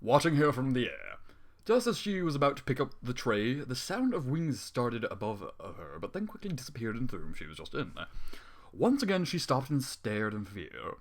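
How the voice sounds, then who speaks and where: A man's voice: mid-range voice, huge pitch swings, normal speed. A man reading a story aloud and breaking off into exasperated, sarcastic, swearing commentary. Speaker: fan fiction reader.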